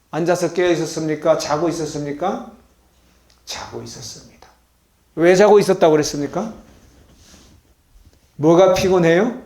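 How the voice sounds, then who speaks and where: A male pastor with a slightly high, gravelly voice preaches to his congregation, recorded in an echoey hall. He keeps asking the room questions and swings from loud bursts to hushed words. The sermon rings through the hall at a retreat center.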